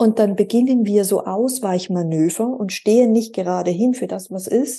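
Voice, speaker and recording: A woman talks at a moderate pace in a normal speaking voice, with ordinary pitch variation. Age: 40s. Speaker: dating mentor for single women, former HR manager. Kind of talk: interview conversation.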